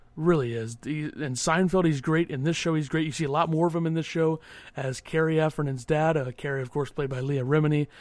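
An unremarkable speaking voice from a man, fairly high in pitch, fairly quick, with fairly even intonation, in a very clean recording with a silent background. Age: 20s. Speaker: sports podcast host. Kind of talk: solo podcast monologue. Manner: casual, filler-heavy.

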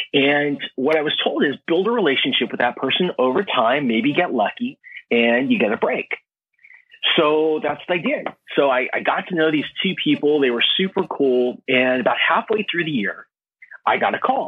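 This man has an American accent and a fairly high pitch. His pitch swings very widely. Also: moderate pace. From Southern California. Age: 40s. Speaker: entrepreneur and business coach. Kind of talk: interview.

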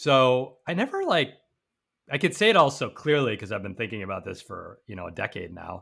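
At a fairly quick pace, a man with medium pitch and a bright, sharp tone makes very wide pitch swings, with vocal fry. His loudness swings widely too. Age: 40s. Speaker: newsletter writer and online creator. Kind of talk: casual interview. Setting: remote call.

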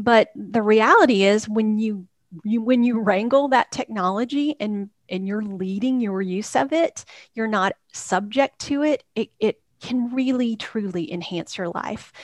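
A woman with an American accent and an ordinary speaking voice, fairly high-pitched with ordinary pitch variation, at a fairly slow pace in a dry, close sound with no echo. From Texas. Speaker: digital organization consultant, business owner. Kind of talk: podcast interview.

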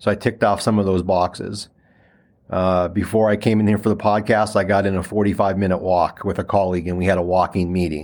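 On a very clean recording with a silent background, a man with an American accent speaks at a fairly quick pace. His very deep, low voice stays monotone and flat. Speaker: sport scientist. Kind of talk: interview.

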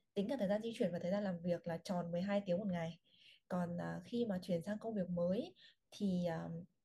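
Somewhat breathy and dark, mellow in tone, a woman speaks at a medium pitch and moderate pace with fairly even intonation. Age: 20s. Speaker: UX writer. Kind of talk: casual interview chat.

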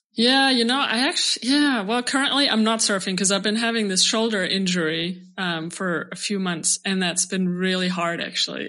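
A woman with a German accent speaks in a bright, sharp tone. She leaves hardly any pauses. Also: medium pitch for a woman, ordinary pitch variation, moderate pace. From Bavaria, southern Germany. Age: 30s. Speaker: breathwork teacher. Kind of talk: casual chat.

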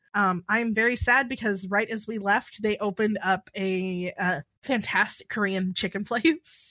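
A woman with an American accent and a bright, sharp tone speaks at a fairly slow pace with hardly any pauses, in a dry, close sound with no echo on a very clean recording with a silent background. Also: medium pitch for a woman, ordinary pitch variation. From Texas. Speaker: tabletop game designer and editor. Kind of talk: casual interview chat.

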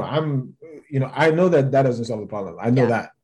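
A man with a Nigerian accent speaks at a medium pitch. His tone is dark and mellow, with ordinary pitch variation. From Lagos, Nigeria. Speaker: chef and writer. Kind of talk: interview conversation. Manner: casual, laughs often.

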